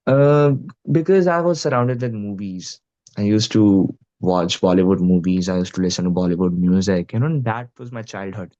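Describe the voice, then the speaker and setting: The dull audio carries a low-pitched, mellow male voice at a normal speed. He's a young adult guest musician with an Indian Punjabi accent, chatting casually but earnestly in an interview and relying on "you know" and "like."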